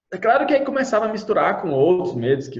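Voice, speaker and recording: A somewhat breathy male voice. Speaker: stuttering coach and public speaking mentor. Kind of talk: online course lecture. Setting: video call. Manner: occasional small repetitions.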